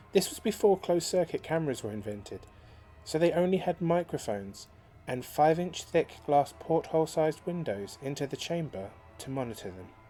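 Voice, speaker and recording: Over music in the background, a man with a fairly high pitch talks at a fairly quick pace, his pitch swinging very widely. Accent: British. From United Kingdom. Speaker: creepypasta story reader. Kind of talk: horror story reading.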